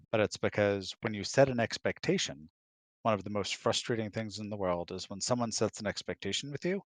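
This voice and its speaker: A man's voice: fairly low pitch, no room sound. A man chatting casually as a guest, explaining his views and often checking in with "right?". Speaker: guest, the host's husband. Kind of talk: casual chat, explaining opinions.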